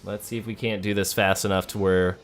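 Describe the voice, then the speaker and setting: With faint music in the background, a man narrates his gameplay in a relaxed let's play, musing aloud and addressing the game's characters. He speaks fairly quickly in a fairly low, level voice.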